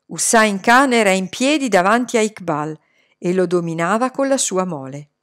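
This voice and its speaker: Woman reading a story aloud, measured. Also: medium pitch. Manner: measured, expressive first-person storytelling. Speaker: audiobook reader. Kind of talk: scripted narration.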